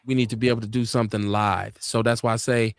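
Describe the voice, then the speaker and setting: He's a fast, smooth talker from the United States with an urban Black American accent, captured in a dry recording. Hosting a live online talk show, he reads viewers' comments aloud and speaks casually, then grows animated and preachy, his voice shooting up in pitch for emphasis.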